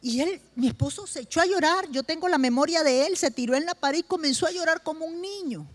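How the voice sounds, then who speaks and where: A middle-aged woman pastor preaching a sermon with personal testimony, emphatic and slow, repeating key phrases for stress. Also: sits high.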